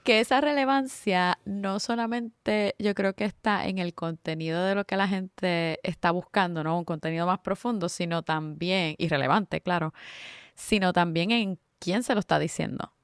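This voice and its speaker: A woman co-hosting a podcast in a lively, animated way. She speaks in a lowish voice and laughs often. The recording is close and dry. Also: normal speed, clear, resonant tone, dry recording. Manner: animated, laughs often while telling anecdotes. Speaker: podcast co-host. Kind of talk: casual conversational podcast chat.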